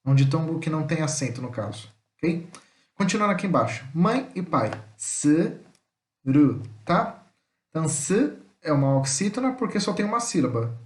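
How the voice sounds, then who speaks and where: A man's voice: on the high side, sing-song. Patient man teaching in an echoey room. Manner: patient, repeats "tá?" after each point, sounds out words slowly. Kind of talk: online language lesson.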